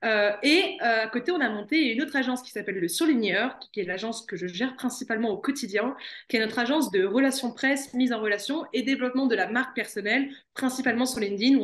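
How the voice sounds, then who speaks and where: In a normal speaking voice, a woman talks at a fairly quick pace and fairly high pitch with ordinary pitch variation. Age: 20s. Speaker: entrepreneur and media founder. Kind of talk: podcast interview.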